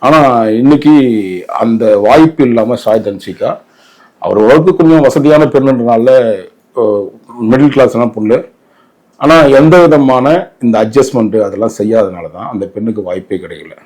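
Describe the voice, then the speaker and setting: A man's voice: mid-range voice, normal speed, pauses often, a little mellow, husky, rough recording. A man with a Tamil Nadu accent giving opinionated interview commentary in an emphatic, indignant way, often posing rhetorical questions.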